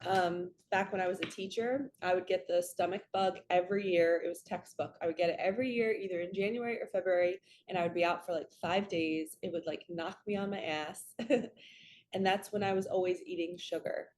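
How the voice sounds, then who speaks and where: A woman with a slightly raspy, just-woken-up voice, hosting a casual spiritual reading vlog in an earnest, chatty way that drifts into stories. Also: lowish voice, fairly even intonation, brisk, a little mellow, slight background noise. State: raspy from waking up and allergies. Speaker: host, spiritual card reader.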